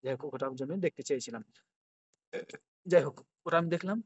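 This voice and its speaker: A man's voice: mid-range voice, quick pace, breathy edge, no echo, highs cut off. A man giving casual commentary on a chat, talking to viewers as brother. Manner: chatty, addresses viewers as brother. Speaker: video creator.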